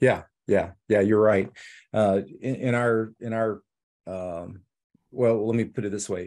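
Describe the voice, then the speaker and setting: Fairly even intonation marks this voice with a Southern US accent, heard against a quiet background. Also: man. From Alabama. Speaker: bishop and theology professor. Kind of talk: casual interview about theology.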